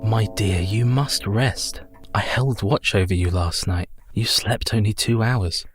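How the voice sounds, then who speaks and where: An actor playing an earnest, tender young husband in a radio play. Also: male voice, lowish voice, unhurried, music in the background, natural voice. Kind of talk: community radio play acting.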